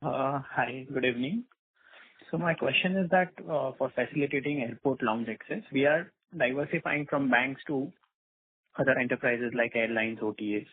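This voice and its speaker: An Indian-accented man asks questions as an investor on a conference call. His voice is mid-pitched and rough-edged. It comes through a tinny, narrow phone line. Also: moderate pace.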